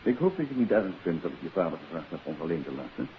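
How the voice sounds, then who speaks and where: A man's voice: deep voice, big pitch swings, racing. A man playing a confident author-detective in a 1950s radio play, coaxing and insistent as he questions. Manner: urbane, persistent, adds questioning tags. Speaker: radio drama lead actor. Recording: hissy, muffled 1950s radio recording.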